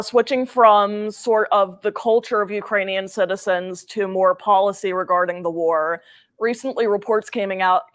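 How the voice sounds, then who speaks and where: A young woman, a student radio interviewer, who asks prepared questions in a polite, steady way. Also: mid-range voice.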